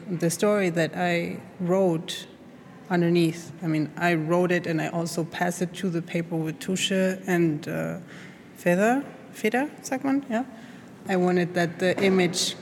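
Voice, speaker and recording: Her voice sits on the low side and has a slightly mellow quality. She's a hesitant art student from Chile, Spanish being her first language, giving interview answers full of fillers and pauses to find words, recorded noisily in an art academy studio.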